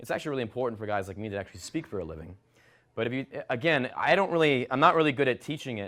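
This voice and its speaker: A man shouts loudly at a very fast pace with lively intonation, on a very clean recording with a silent background. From New Brunswick, eastern Canada. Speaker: dating coach. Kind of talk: workshop talk answering questions. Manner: projecting, loud without yelling.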